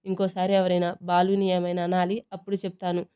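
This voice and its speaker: Caring young wife, firm and protective, mellow smooth voice, voiced by a woman, even. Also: fairly low pitch, fast talker, close to an everyday voice.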